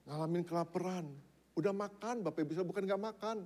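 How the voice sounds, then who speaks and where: Brief: male pastor at a church service, sermon delivery, a touch high-pitched, slangy, swings between loud and hushed. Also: brisk. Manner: emphatic, swinging from loud declarations to near-hushed asides; casual slangy delivery with rhetorical questions to the congregation.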